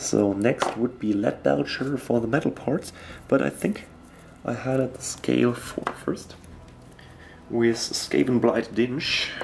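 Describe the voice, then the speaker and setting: Speaking very slowly with long, frequent pauses, a man with a German accent uses a medium pitch and lively intonation against noticeable background noise. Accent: non-native English, German. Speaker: miniature painting tutor. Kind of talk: tutorial. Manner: halting, many fillers.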